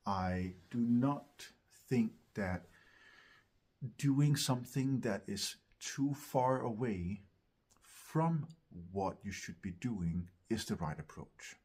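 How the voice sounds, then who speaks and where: A man with a husky voice teaching as a vocal coach, speaking in hesitant, searching phrases with emphatic repeats. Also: mid-range voice, darkish tone. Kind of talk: instructional talk to camera.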